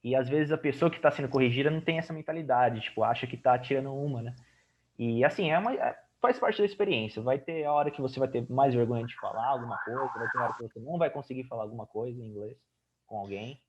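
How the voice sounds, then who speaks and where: A man's voice: medium pitch, quick pace, slight background noise. Man, hesitant, lots of fillers, slightly muffled audio. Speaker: podcast co-host, English teacher. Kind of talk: casual podcast discussion.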